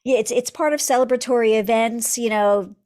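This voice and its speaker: A woman from the United States, a belly dance instructor, talking as a podcast guest and explaining things earnestly, with quick laughs and a few fillers. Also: on the high side, darkish tone. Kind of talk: casual interview chat.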